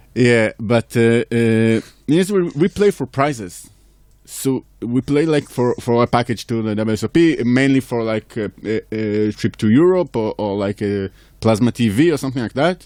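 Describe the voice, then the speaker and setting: The recording is very clean with a silent background and a dry, close sound with no echo, carrying a voice with an Israeli accent at a moderate pace and ordinary pitch variation. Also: man, medium pitch for a man. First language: Hebrew. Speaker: podcast co-host, poker player. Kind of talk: casual chat. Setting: studio. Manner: halting, many repeated words.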